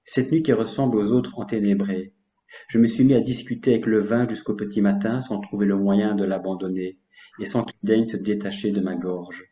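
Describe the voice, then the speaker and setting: A male interviewer with a low, warm voice who talks in a measured and thoughtful way. He asks his guest questions and reads poems aloud. His voice carries a roomy echo. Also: steady tone, muffled recording. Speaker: interviewer and host. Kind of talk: interview questions and poetry reading.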